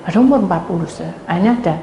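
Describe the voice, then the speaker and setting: A woman pastor with a Javanese accent, preaching a sermon as animated storytelling that addresses the congregation. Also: on the low side, racing. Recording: echoey hall with faint noise.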